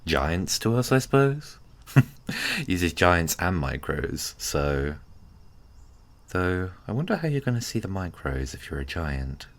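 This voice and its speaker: A man playing an easygoing, gently teasing giant friend in a casual, hesitant, intimate ASMR roleplay. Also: low-pitched, sing-song, exaggerated voice. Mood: cheerful, chatty. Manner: hesitant, chuckling, unhurried casual talk.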